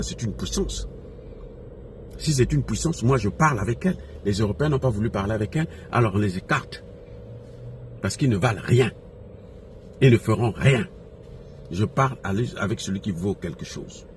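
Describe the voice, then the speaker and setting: A man from Africa gives impassioned off-the-cuff political commentary, emphatically repeating phrases and posing rhetorical questions to his followers. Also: on the low side. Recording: noisy recording with background ambience.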